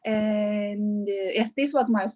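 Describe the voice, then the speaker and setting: A woman's voice: medium pitch, steady tone, slow pace, dark tone, lo-fi sound. A woman from Japan with a Japanese accent, giving a hesitant graduation speech with many restarts over a video call. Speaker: coaching graduate.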